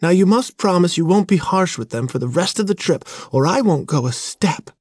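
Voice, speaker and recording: A man's voice: high voice, lively intonation, normal speed, a little mellow, dry recording, studio quality, voice pushed up. A man voicing a dainty, fussy, sentimental young woman in a storybook, pleading theatrically.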